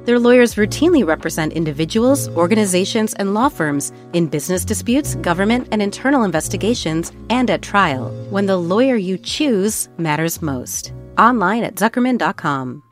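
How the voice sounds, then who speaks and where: Lively woman reading a sponsor spot. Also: mid-range voice, normal speed, hardly any pauses, faint music behind. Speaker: podcast announcer. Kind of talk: scripted sponsor read.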